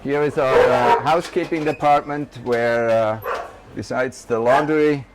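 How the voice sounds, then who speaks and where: Slow-spoken man guiding a rescue tour. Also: mid-range voice, fairly even intonation. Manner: hesitant, many fillers. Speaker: rescue center guide. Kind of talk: walking tour explanation. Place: outdoor animal rescue center with dogs. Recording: noisy outdoor recording with barking dogs.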